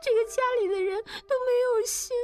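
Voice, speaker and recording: A woman's voice: very high voice, normal speed, dark tone, faint music behind, pitched above the performer's own voice. A woman voicing a devoted young maid who pleads tearfully. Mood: tearful, pleading.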